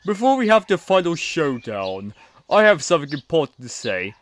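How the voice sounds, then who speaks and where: A man's voice: a little high, very animated, normal speed, a bit bright. A man playing a remorseful male comedian stuck in a frog puppet body in a hobby audio play, speaking earnestly and plainly.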